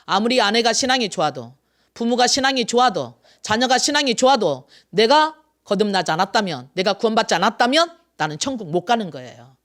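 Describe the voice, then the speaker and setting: In a Sunday sermon, a pastor in their sixties throws rhetorical questions at the congregation and repeats phrases, climbing to loud emphasis before sinking into quiet asides. The voice is mid-range and sing-song, moving a little fast.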